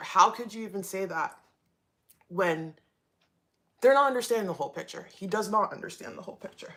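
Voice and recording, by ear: A woman puts on a raspy, hoarse character voice at a medium pitch, with lively intonation and a fairly quick pace. Her loudness swings widely, and she leaves long, frequent pauses.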